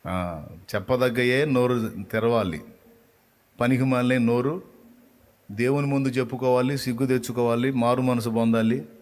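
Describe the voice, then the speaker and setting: A man's voice: mid-range voice, steady tone, moderate pace, pauses often, darkish tone. A man preaching a sermon, retelling a story with passion, asking the listeners rhetorical questions and repeating key phrases for emphasis.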